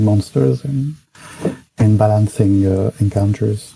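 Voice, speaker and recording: Speaking at a very slow pace with a French accent, a man has a fairly low pitch, lively intonation and a somewhat breathy sound. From France. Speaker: game zine creator. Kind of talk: casual interview. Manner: halting.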